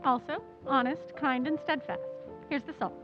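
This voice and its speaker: A woman plays a wry newspaper sidekick in an old-time radio play. Her high voice trades mock-formal teasing. The recording is a touch dull, with faint music. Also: steady tone, normal speed, lightly acted. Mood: wry, playful.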